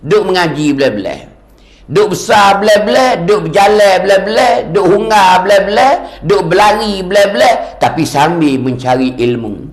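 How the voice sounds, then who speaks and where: A man giving a sermon lecture as a religious teacher, animated and repetitive, his voice rising and falling for emphasis. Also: high-pitched, normal speed, roomy sound.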